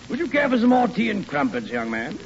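A pompous, genteel upper-class uncle with a swooping, high voice. Gravelly edges and a dull, hissy old radio sound. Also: male voice, exaggerated voice. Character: stuffy upper-class older Boston uncle. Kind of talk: 1940s radio comedy acting. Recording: dull old radio recording, faint hiss.

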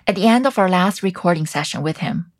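A woman hosting and narrating a documentary podcast in a calm, reflective scripted style. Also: on the low side, a little fast. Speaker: host and narrator.

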